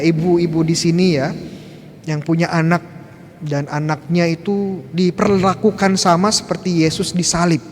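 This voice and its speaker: A Catholic priest giving a Sunday homily in a church, putting questions to the congregation and tagging his phrases with a conversational "ya". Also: on the high side. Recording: long church reverb, faint background noise.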